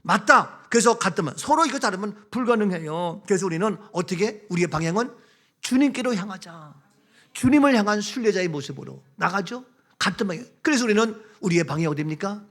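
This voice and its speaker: Male pastor, sermon, high bright voice, emphatic, repeats phrases, questions the congregation. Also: lively intonation, fairly quick. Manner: acts out everyday quarrels in short quoted remarks.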